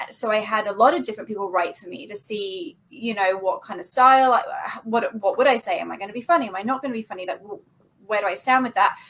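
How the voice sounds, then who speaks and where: A woman with a non-native accent talks at a very fast pace, her fairly high voice full of lively intonation. Her loudness swings widely. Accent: has an accent in the US. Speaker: magician and illusionist. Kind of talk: casual podcast interview. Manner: halting, many false starts.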